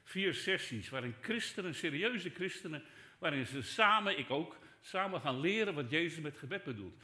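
An older man preaching a sermon as pastor, conversational, dropping to soft asides and rising for emphasis. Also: fairly high pitch, lively intonation, normal speed. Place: church hall. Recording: echoey church hall.

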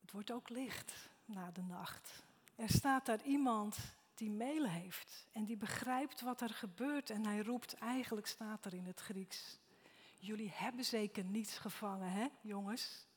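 A woman preaching a sermon, reading and retelling a Bible passage in a slow, reflective way that often sinks to a near whisper. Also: on the high side, husky. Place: church hall. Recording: echoey church hall.

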